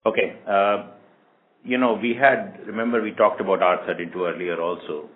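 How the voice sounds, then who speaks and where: Deep-voiced man on a muffled call. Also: steady tone, normal speed. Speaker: company executive answering analysts. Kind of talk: earnings call answers. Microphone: conference call line. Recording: muffled lo-fi call, background noise.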